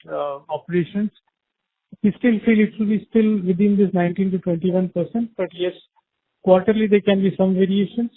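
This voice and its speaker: A man answering as a company finance executive on an earnings call, in measured, hesitant phrases over a conference phone line. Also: sits high, no echo.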